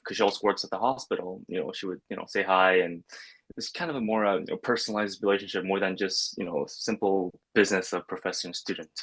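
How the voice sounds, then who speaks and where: A man's voice: low voice, a bit bright, slightly rough, low-quality recording. A young man, a nursing student, answering hesitantly with many fillers on a video call from a bedroom. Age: young adult. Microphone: video call webcam.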